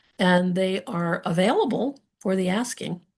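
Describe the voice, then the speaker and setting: Somewhat breathy delivery at a fairly slow pace, with ordinary pitch variation. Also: woman. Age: 70s. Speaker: spiritual medium and workshop speaker. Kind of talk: talk to an audience.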